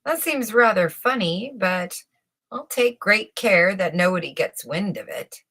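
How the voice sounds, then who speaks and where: A woman's voice: medium pitch, animated, a little slow, a bit bright. A woman reading a fairy tale as a puzzled, self-protective male court official. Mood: puzzled, secretive.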